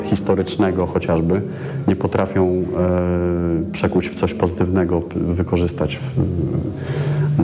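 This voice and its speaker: A man's voice: low voice, mellow. A man from Poland, a musician giving a reflective interview in a hesitant, thoughtful way, often restarting his words. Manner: hesitant, halting, thoughtful delivery with repeated word starts. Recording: long reverb, clear music behind.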